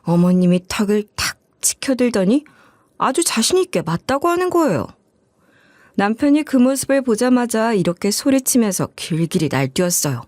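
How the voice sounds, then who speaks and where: A woman's voice: on the high side, very animated, normal speed, darkish tone, no room sound. A woman narrating her own life story from a script in a chatty, confiding way. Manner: chatty, gossiping confessional tone.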